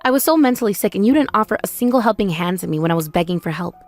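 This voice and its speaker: A woman's voice: medium pitch, animated, racing, natural voice. Woman playing a bitter, hot-tempered grown daughter. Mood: furious. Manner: confrontational, emotional. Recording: voice over background music.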